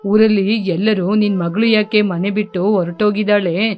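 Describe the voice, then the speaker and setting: A woman voicing a middle-aged village father who talks in a low, earnest, pleading way. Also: fairly even intonation, normal speed, darkish tone, close to an everyday voice. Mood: remorseful.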